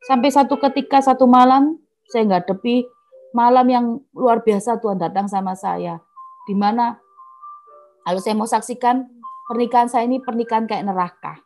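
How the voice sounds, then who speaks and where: Earnest middle-aged woman with a gravelly voice. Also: a little high, moderate pace, darkish tone, faint music behind. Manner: earnest, addresses listeners directly as brethren. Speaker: testimony speaker at an online prayer meeting. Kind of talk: emotional personal testimony.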